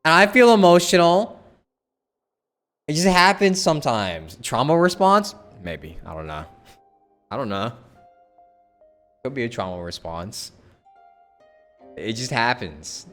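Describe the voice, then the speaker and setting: A man's voice: medium pitch, very animated, unhurried, pauses often, fairly bright tone. A man chatting casually while streaming a game, rambling, repeating himself and swearing. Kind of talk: casual live game commentary. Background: game music.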